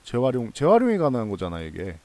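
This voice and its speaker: A man's voice: mid-range voice, wildly swooping pitch, fast talker, dark tone, no room sound. A man hosting a stock analysis channel, explaining things in a casual, conversational and reassuring way, repeating points for emphasis. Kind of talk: casual explanatory commentary to viewers.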